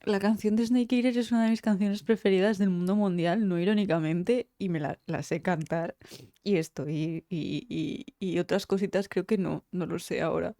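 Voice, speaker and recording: A woman's voice: fairly low pitch, fairly even intonation, moderate pace, warm tone, dry recording, studio quality. A woman with a Spain Spanish accent chatting casually on a live stream, teary after crying, emotional and rambling and swearing freely. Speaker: game streamer.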